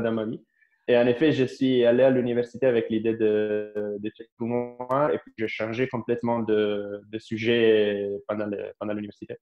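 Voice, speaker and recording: A man in his thirties with an Italian accent, an astrophysicist answering interview questions with many pauses, fillers and restarts. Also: lowish voice. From Italy. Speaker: astrophysicist guest. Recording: echoey, dull lo-fi live stream.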